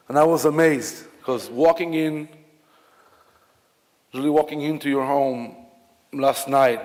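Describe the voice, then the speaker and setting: A man from Israel with an Israeli accent, giving a memorial eulogy in a halting, reflective way with many fillers and restarts. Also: medium pitch, darkish tone. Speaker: officiant at a memorial service. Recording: long hall reverb.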